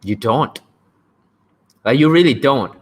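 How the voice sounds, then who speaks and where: A man's voice: medium pitch, lively intonation, slow. A young man from Thailand with a Thai accent, hosting a casual livestream about language learning, blunt and joking and often checking in with "right?". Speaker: livestream host.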